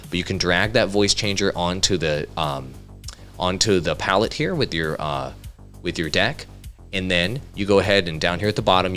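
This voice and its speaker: A man presenting a casual software tutorial in an upbeat, conversational way, speaking directly to viewers into a studio microphone. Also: low-pitched. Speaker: tutorial host, content creator. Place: home studio.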